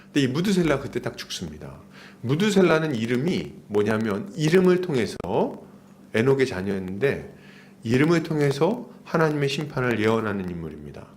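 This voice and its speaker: Man preaching with lively, swinging intonation. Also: mid-range voice, fairly quick, slight background noise. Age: about 40. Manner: emphatic repetition and rhetorical questions. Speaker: pastor. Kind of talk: expository sermon to a congregation.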